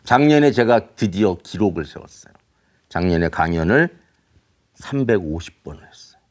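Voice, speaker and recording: A middle-aged man speaking as an author to young students, telling a story in an animated way and asking rhetorical questions. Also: deep voice, normal speed. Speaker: children's author giving a talk. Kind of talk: motivational lecture to students.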